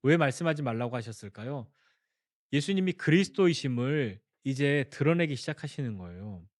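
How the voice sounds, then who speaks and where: A man's voice: medium pitch, expressive, normal speed, dry recording, clean studio sound. A male pastor preaching a sermon, telling the story and asking the congregation questions. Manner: storytelling, acting out quoted dialogue.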